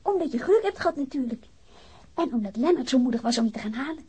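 Worried young daughter in a radio drama, gentle n probing, high breathy husky voice. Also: female voice, animated, fast, heavily acted. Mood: earnest, coaxing. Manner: gently probing, coaxing, hesitant. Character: concerned, caring grown daughter visiting her wounded father. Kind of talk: naturalistic radio play acting.

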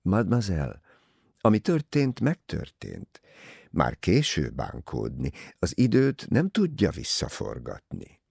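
A man voicing Poirot, a wise, gently ironic older detective who talks in a measured, lecturing way. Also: sits low, wildly swooping pitch, vocal fry, husky, no echo, studio quality, heavily acted. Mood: reflective.

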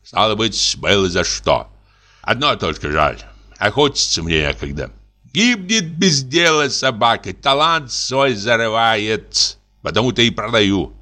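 A man's voice: measured pace, exaggerated voice. A man reading a story aloud, voicing a boastful middle-aged army lieutenant who wheedles and blusters as he pushes a sale. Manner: wheedling, blustering, swinging high and excited.

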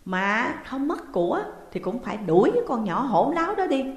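A shrill, domineering middle-aged woman, put on by a female storyteller, screeching her accusations loudly and higher than the narration. Her voice rings out in a roomy space with a long reverb. It is an audio storybook. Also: sing-song, moderate pace. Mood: shrill scolding.

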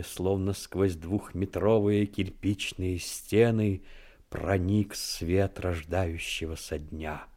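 A man narrating a scripted dramatic story in a measured, expressive way. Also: sits low.

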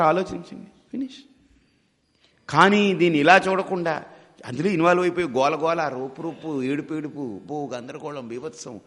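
A man's voice: a little high, a bit bright, in a large hall. A man teaching as a spiritual guide in a devotional discourse. He asks many rhetorical questions and mimics his listeners as he talks.

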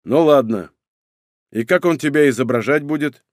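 A man reading an audiobook voices a blunt, wry male clan elder with a brisk, mocking delivery. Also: medium pitch, no room sound, clean studio sound, pitched above the performer's own voice, natural voice.

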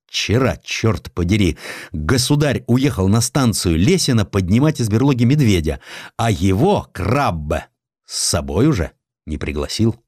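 A man's voice: lowish voice, big pitch swings, a little slow, a little mellow, no room sound, clean studio sound. A man voicing a crusty but kindly admiral in a dramatised audiobook, brusque and commanding, then coaxing. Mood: gruff, irritated. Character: crusty, blunt, kindly protective male admiral. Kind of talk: Russian audiobook character acting.

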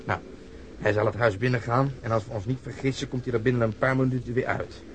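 An actor playing a blunt, sardonic, impatient police detective in a radio drama. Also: male voice, mid-range voice, steady tone, quick pace, lightly acted. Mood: brisk. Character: gruff, sarcastic, impatient plainclothes police detective, male. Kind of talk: Dutch radio drama acting. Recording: noisy old radio drama recording.

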